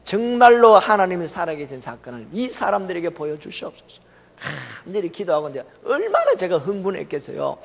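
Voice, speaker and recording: A middle-aged male revival preacher, his fairly high voice leaping up and down in pitch. He tells the story with laughter, jumping from loud cries to near-hushed asides. His voice carries a long reverb from a church sanctuary. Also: brisk, creaky. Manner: animated, laughing, swings from loud exclamations to hushed tones.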